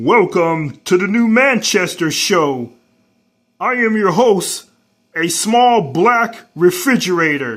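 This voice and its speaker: Doing a put-on character voice, a man talks fairly slowly at a high pitch. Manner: goofy.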